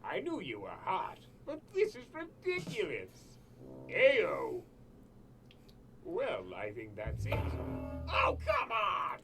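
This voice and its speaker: A woman's voice: deep voice, wildly swooping pitch, slow, gravelly, soft background music, full character voice. A woman voicing a sly, teasing male trickster of chaos in a cartoon, sardonic and theatrical. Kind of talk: dramatized cartoon parody dialogue.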